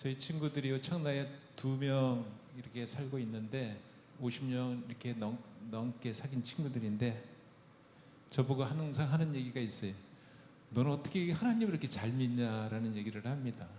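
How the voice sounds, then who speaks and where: In a room with audible echo, a man with a dark, mellow, somewhat breathy voice at medium pitch talks at a moderate pace, using ordinary pitch variation and long, frequent pauses. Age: 60s. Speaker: church elder preaching. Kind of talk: sermon.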